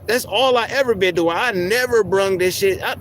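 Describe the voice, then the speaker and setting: Guy with a high squeaky soft voice going off on a heated live rant, cussing, street and car noise behind. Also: normal speed. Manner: heated, profane, repeats words when worked up. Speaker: livestream host. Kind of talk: ranting livestream monologue.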